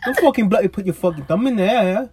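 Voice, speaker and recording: A man with a husky voice putting on a British accent to voice a rowdy, aggressive young British man who keeps adding "yeah?". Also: high voice, expressive, fast, pitched above the performer's own voice, heavily acted. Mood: threatening. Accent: put-on British. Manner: loud, menacing, keeps tagging "yeah?".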